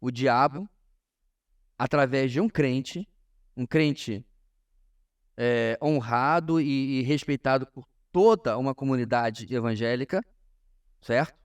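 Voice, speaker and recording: A man with a Brazilian Portuguese accent teaches a church class as a pastor, in an informal sermon style, emphatic and often pausing to address his listeners directly. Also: medium pitch. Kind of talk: informal sermon-like lesson to a congregation.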